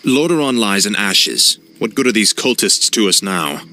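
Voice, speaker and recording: Deep-voiced, cold death knight. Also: male voice, normal speed, slight background noise. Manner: flat, grim and unrepentant. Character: young fallen prince turned death knight, cold. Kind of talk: video game cutscene acting. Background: orchestral score.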